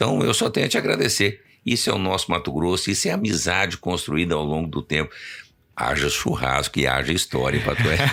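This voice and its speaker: Speaking at a fairly quick pace, a man with a very deep, low pitch and vocal fry uses lively intonation, a bright, sharp tone and very even loudness. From interior of São Paulo state, Araçatuba region. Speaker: livestock auctioneer. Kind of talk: casual chat.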